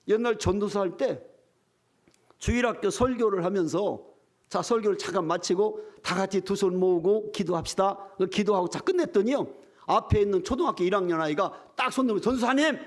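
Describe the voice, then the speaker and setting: An older male preacher delivers a revival sermon in a church, his high voice swooping up and down with lively energy. He talks straight to the congregation, spinning funny stories. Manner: humorous storytelling, addresses the congregation directly. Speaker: retired pastor, guest revival preacher. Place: church sanctuary.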